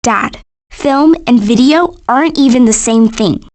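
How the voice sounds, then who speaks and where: A woman's voice: on the high side, lively intonation, measured pace, a little mellow, no room sound. A woman voicing a sassy, savvy teenage animal girl in a video game, with an American accent and casual teen phrasing. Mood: sarcastic.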